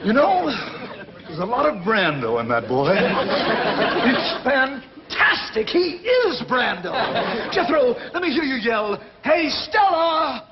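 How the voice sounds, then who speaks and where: A man's voice: extremely high pitch, sing-song, takes it slowly, a loud crowd, full character voice. Glib, scheming Hollywood con man. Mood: sly. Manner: glib, theatrical, hammy enthusiasm. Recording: dull 1960s TV audio with laugh track and hiss.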